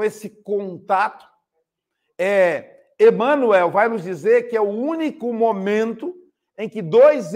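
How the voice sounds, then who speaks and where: A man's voice: high voice, darkish tone. An older man with a Brazilian Portuguese accent giving a spiritist talk, telling stories and acting out the people in them. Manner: storytelling with acted quotes. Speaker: spiritist speaker.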